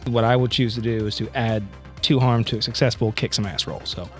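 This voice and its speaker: A man's voice: mid-range voice, steady tone, brisk, over music. A man playing a tabletop role-playing game, chatting casually and hesitantly as he thinks his moves through, swearing now and then.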